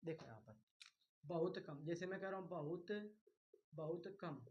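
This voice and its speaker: A man's voice: a little high, moderate pace, lo-fi sound. Man teaching, repeating and quizzing. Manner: repeats key terms, quizzes listeners with questions; reassuring, coaxing with "bhai". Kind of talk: exam-prep grammar lecture.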